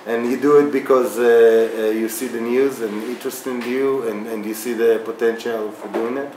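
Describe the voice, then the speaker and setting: A man in his thirties with an Israeli accent, answering interview questions casually with many fillers and restarts. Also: medium pitch. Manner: halting, many fillers and restarts, animated hand gestures. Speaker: guest, video remixer. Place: small bright room indoors. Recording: echoey room, faint background hiss.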